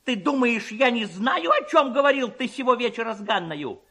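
Man voicing a shrill, scolding peasant woman. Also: sing-song, moderate pace, bright, forceful tone, full character voice. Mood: furious, scolding. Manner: scolding, indignant, emphatic. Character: shrill angry peasant woman, sharp-tongued scolding sister-in-law.

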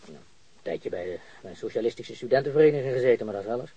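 An earnest, downhearted jobless graduate in a radio play. His voice is husky and mid-pitched. He speaks informally and hesitantly, as if needing advice. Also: lively intonation, rapid-fire, dark tone, highs cut off. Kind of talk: naturalistic radio drama acting.

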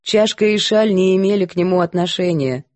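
A woman reading as a calm firm governess. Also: fairly low pitch, no room sound, lightly acted. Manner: calm, measured, composed.

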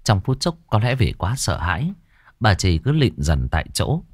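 A man's voice: on the low side, very animated, moderate pace, no echo. A man narrating a horror story in a dramatic, emotional way. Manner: dramatic, shifting emotional delivery.

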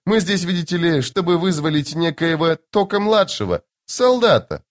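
A woman's voice: lowish voice, big pitch swings, normal speed, pitched above the performer's own voice. A man voicing a vain, cheerful woman in white who chatters sweetly and admires herself, in an audiobook. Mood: airy, chatty. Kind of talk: audiobook character voice.

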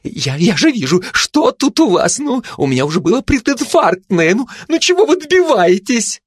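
A man voicing a hysterical, gossiping female lapdog who talks in a shrill, frantic rush. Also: very animated, moderate pace, husky, dry recording, studio quality, exaggerated voice.

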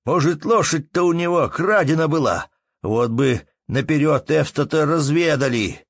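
A man voicing a hot-tempered innkeeper who scolds loudly in folksy speech. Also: lowish voice, expressive, slow, no echo, studio quality, exaggerated voice. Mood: angry.

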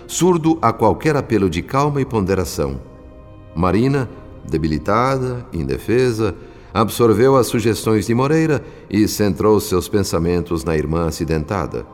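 Radio drama narrator: grave, compassionate Brazilian spirit, deep voice, expressive swings, measured and formal, in long reverb. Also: male voice. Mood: solemn, concerned. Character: grave, compassionate male spirit recounting events, pleading for calm. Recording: long reverb, music behind.

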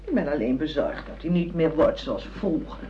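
A woman's voice: sits low, very animated, normal speed. An actress playing a fretful, naive wife and mother who fusses and exclaims in a radio drama. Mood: worried. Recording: dull, noisy old radio recording.

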